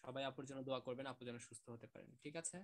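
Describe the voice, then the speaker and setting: A man teaching an online class, gently praising students and repeating sounds to demonstrate them. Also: medium pitch, fairly even intonation, racing.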